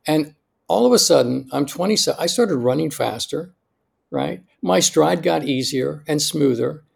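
Man, sixties, American accent, very creaky, slightly rough voice, emphatic conversational storytelling, interview guest. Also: on the high side, lively intonation, normal speed. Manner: emphatic, often tags sentences with "right?". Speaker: podcast guest, longevity doctor. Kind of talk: conversational interview, personal anecdotes.

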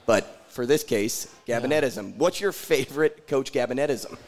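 A man's voice: medium pitch, moderate pace. A young man hosting a casual sports interview, teasing his guests and rambling through his questions. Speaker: interviewer host.

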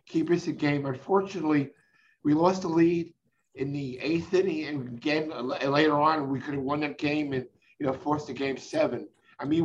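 A male sports interviewer asking long rambling questions with restarts. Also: fairly high pitch. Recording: dull lo-fi sound with faint noise.

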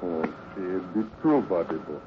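Gentle foreign ranch hand, muffled recording. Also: male voice, low voice, expressive, normal speed. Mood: gentle, coaxing. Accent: foreign, broken English. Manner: broken pidgin grammar, earnest and soothing. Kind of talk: 1950s radio western acting. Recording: muffled, noisy old radio recording.

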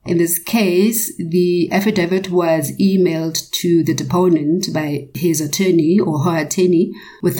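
A woman's voice: low voice, mellow. A woman speaking formally and carefully, explaining points in a prepared legal panel discussion.

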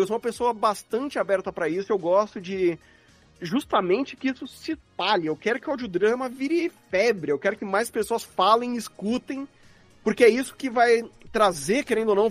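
A man's voice: high voice, lively intonation, fairly quick, soft background music. A man with a Brazilian Portuguese accent chatting casually as a guest in a live podcast interview. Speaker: podcast guest, audio drama producer.

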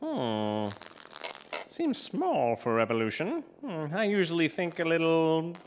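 A woman's voice: low-pitched, very animated, slow, a little hiss or hum, heavily acted. An actress voicing a nosy, teasing male mad scientist who grabs other people's things. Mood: sly.

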